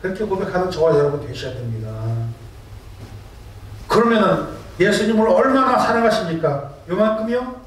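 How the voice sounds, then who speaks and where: A male pastor with a high voice preaches a sermon, tossing rhetorical questions to his congregation and telling stories animatedly. He is heard from a distance, his words ringing around a big, echoey church sanctuary. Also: lively intonation, moderate pace.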